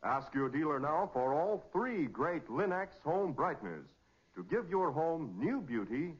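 A man's voice: a little high, sing-song, a little slow, breathy edge. A man with an American accent, announcing and narrating in a polished, emphatic, dramatic 1940s radio style. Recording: muffled old 1940s radio recording.

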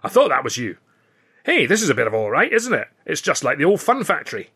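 A man's voice: on the high side, wildly swooping pitch, pushed and bright, breathy edge, pitched above the performer's own voice, exaggerated voice. A man voicing a wiry, boastful Scottish comic with a Scottish accent in an audiobook. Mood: chummy boasting. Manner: chummy, boastful, quick banter. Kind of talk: audiobook character voice.

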